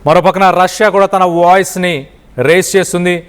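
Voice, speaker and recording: A man's voice: sits high, level tone, a little fast, clear, resonant tone, big-room sound. A man from India presents news analysis emphatically, repeating phrases for stress.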